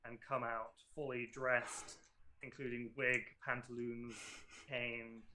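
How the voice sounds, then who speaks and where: A man's voice: mid-range voice, level tone, slow pace, pushed and bright, slight background noise. A man running a tabletop game as dungeon master, casual, with a lot of filler words.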